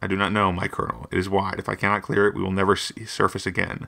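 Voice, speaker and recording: A man puts on a character voice, raspy and fairly low in pitch. He speaks at a very fast pace. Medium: read story. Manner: formal, archaic.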